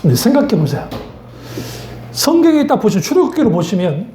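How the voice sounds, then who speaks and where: A woman's voice: a little high, big pitch swings, a little fast, warm tone, echoey room, a little hiss or hum. A woman pastor preaching a sermon in a blunt, conversational way, asking her congregation rhetorical questions. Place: church sanctuary.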